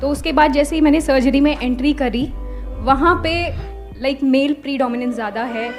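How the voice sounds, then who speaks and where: A woman's voice: high-pitched, normal speed, over music. A woman from the audience earnestly asking the speaker a question, mixing Hindi with English.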